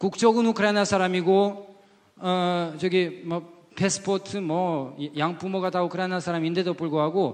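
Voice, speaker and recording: A man with a French accent speaks at a high pitch and a moderate pace. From Ukraine, born in Czechia, French-speaking home. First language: French (speaking Korean). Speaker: evangelist. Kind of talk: testimony. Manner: casual, humorous storytelling with fillers.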